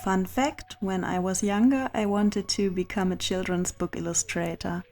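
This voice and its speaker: A woman's voice: medium pitch, fairly even intonation, normal speed, a little mellow. A woman narrating a craft video voice-over in a chatty, confiding way, as the host of her channel. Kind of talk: scripted voice-over narration of a journal setup. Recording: music behind the voice. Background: background music.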